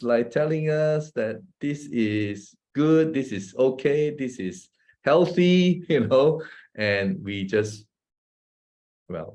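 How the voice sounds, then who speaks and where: A man's voice: lowish voice, darkish tone. A man from Malaysia with a Malaysian English accent, giving a casual talk to an audience, chatty, often asking "right?" and laughing between points. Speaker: presenter.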